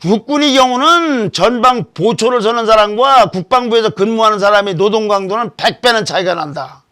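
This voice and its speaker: A man's voice: sits high, fairly quick, sharp tone. A man hosting a political commentary show, talking emphatically and posing rhetorical questions into a studio microphone.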